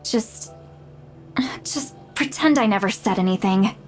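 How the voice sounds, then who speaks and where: A woman's voice: mid-range voice, unhurried, faint music behind, close to an everyday voice. A woman voicing an ancient, proud but easily embarrassed tribal granny in a video game, talking in a flustered, self-deprecating way. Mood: candid. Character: centuries-old tribal granny, sheepish and proud.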